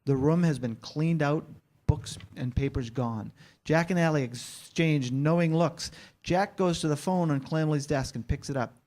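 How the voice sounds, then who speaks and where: A man's voice: a little high, measured pace, darkish tone. A man narrating the stage directions of a screenplay at a live staged reading.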